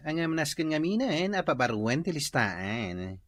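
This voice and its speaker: A woman's voice: low-pitched, sing-song, moderate pace. A woman with a Filipino accent playing a gay man who keeps an aid list, in a comedic radio drama. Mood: dismissive.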